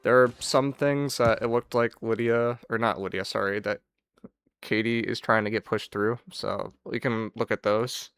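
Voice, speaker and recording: A man's voice: fairly low pitch, fairly even intonation, normal speed, fairly bright tone, smooth, dry recording, faint music behind. A man giving a casual, unscripted farewell commentary on a video game, speaking in a downcast, wistful, resigned way. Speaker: gaming channel streamer.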